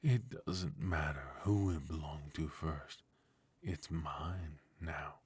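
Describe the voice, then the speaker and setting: A man playing a smug, fussy retired supervillain husband in an intimate comedic ASMR roleplay, with a husky, mock-sinister delivery. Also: extremely low pitch, takes it slowly, a little mellow, no room sound, heavily acted. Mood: smug scolding.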